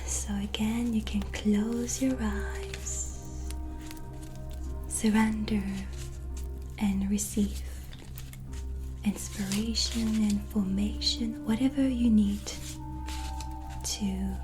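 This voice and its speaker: A woman playing a gentle, reassuring white witch tarot reader in a breathy, soft-spoken ASMR whisper. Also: mid-range voice, steady tone. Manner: slow, pausing, soothing, reflective. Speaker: ASMR roleplayer giving a tarot reading. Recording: soft music behind close voice. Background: soft relaxing music.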